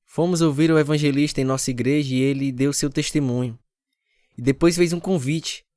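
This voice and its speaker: A man's voice: a little high, fairly even intonation, brisk, darkish tone, dry recording, clean studio sound, natural voice. An actor playing an earnest, repentant husband who tells his conversion story in a scripted radio drama. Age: 30s. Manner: earnest, confessional delivery. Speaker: narrator and lead character. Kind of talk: scripted radio drama with first-person narration. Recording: radio drama over guitar music. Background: acoustic guitar music.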